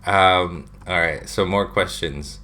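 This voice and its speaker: Speaking slowly in a deep, sharp-toned voice, a Filipino man in his thirties runs a relaxed livestream for his drawing channel. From his home room with its shelves of figures, he reads viewer questions aloud into a desk webcam and answers chattily, full of fillers.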